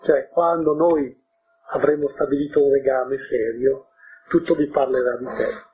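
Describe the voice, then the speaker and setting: A man's voice: medium pitch, fairly even intonation, unhurried, highs cut off, slight background noise. A male preacher giving a sermon, reading from a storybook and explaining it, often adding "eh?" and "no?". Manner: explains warmly, tags with "eh?" and "no?". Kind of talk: sermon with a read-aloud storybook.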